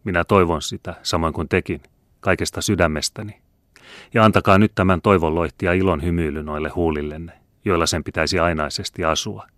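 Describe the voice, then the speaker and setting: A man reading the part of a kindly king, speaking courteously and gently. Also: low-pitched, fairly even intonation, no room sound, studio quality. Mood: gracious. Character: kindly gracious male king.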